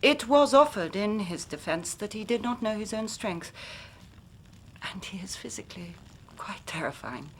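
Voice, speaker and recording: An actress playing a grave young Victorian woman who tells her story in measured, formal speech, sometimes dropping to a hushed whisper. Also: mid-range voice, lively intonation, a little hiss or hum, natural voice. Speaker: client telling her story. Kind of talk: period radio drama acting.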